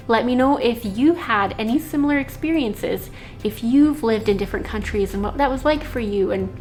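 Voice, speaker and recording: Rambling young woman vlogger, Slovak-born. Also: on the high side. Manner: rambling, many fillers. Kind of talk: casual storytelling.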